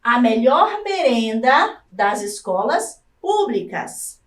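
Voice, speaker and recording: A Brazilian Portuguese-speaking woman teaching a recorded lesson for adult learners, slowly sounding out syllables one by one. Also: high-pitched, a bit bright, far from the mic. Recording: echoey room, voice off-mic.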